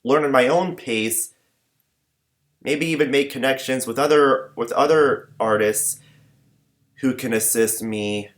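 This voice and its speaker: A young man rambling in a personal vlog, talking in a flat monotone with many fillers and false starts. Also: lowish voice. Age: young adult. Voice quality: limited, flat range. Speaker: vlogger.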